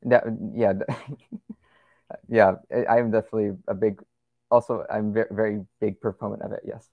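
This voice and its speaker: A man's voice: lowish voice, flat delivery, normal speed, no echo, phone-quality sound. A young man as a podcast guest, chatting casually and rambling with lots of fillers and restarts. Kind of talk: casual conversational interview.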